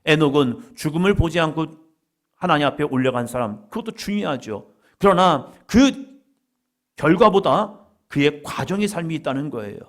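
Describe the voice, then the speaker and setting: A man's voice: fairly high pitch, expressive, moderate pace. A man preaching a sermon as pastor in a church, building to emphatic, repeated appeals. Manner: emphatic preaching with rising fervor and repetition.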